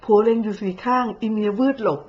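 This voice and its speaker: A woman's voice: mid-range voice, steady tone, quick pace, a little mellow, highs cut off. A woman giving mocking, blunt commentary full of coarse slang, with a sarcastic edge. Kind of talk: sarcastic social media commentary.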